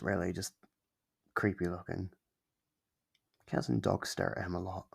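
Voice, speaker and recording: A man playing a kindly, apologetic sleep paralysis demon in a soft ASMR roleplay, speaking gently and hesitantly in a low, gravelly, husky voice. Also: full character voice. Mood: chatty, fond. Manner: soft-spoken, hesitant, reassuring.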